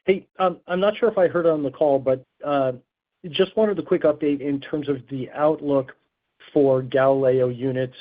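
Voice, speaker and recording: A man's voice: fairly high pitch, moderate pace. A man asking a spontaneous question as a financial analyst, casually and with some hesitant phrasing. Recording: muffled narrow phone line.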